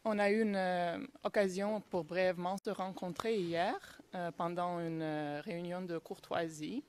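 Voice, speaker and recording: A woman's voice: on the low side, steady tone, measured pace, darkish tone, slight background noise. A woman prosecution lawyer addressing a witness politely in court, speaking French, which is not her first language, and hesitating often. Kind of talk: courtroom questioning.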